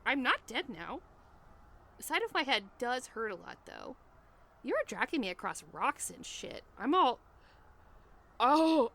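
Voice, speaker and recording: A woman's voice: a little high, very animated, measured pace, creaky, long pauses, a bit bright, exaggerated voice. A woman playing a frantic, brash, rambling newcomer stranded in hell in a comedic audio drama. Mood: indignant, alarmed.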